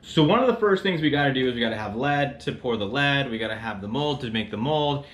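A man's voice: mid-range voice, expressive, quick pace, fairly bright tone. A man hosting a fishing show, talking casually through a how-to with chatty fillers and repeats. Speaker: fishing podcast host.

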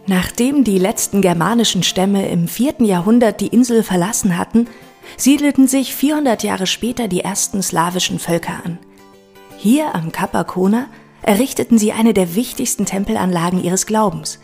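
A woman's voice: mid-range voice, normal speed, vocal fry, darkish tone. A woman reading scripted narration for an audio walk, with guitar music behind her.

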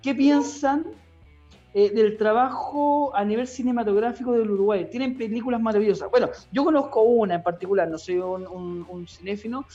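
A man's voice: sits high, moderate pace, dark tone, soft background music. A male radio host in casual chat, reading out listener questions and often stammering. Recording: dull lo-fi sound.

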